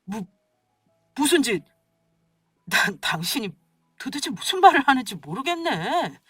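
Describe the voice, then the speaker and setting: A woman's voice: fairly high pitch, big pitch swings, unhurried, sharp tone, husky, dry recording, soft background music, full character voice. A woman voicing a sheepish, scheming husband who stammers and pleads, recorded dry and a little distant from the mic. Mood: pleading.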